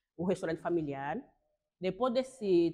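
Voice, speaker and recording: A woman speaks with an Angolan accent. Her pace is fairly quick. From Angola, Luanda. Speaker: entrepreneur and mentor. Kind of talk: interview.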